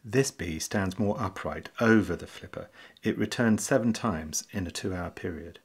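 A man narrating a short nature documentary in a calm, measured, explanatory voice-over. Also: low-pitched, breathy edge. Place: voice-over, not recorded in the pictured hive.

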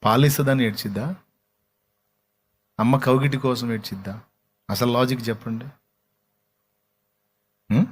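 A man's voice: mid-range voice, steady tone, a little slow, long pauses, breathy edge. A male pastor preaching an impassioned sermon, asking his congregation questions.

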